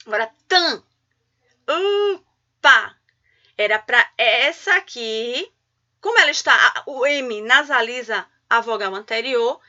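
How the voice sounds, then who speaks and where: A woman teaching a children's video lesson, drawing out syllables in a lively classroom voice. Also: sits high, highs cut off. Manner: lively, syllable-stretching teacher talk to kids.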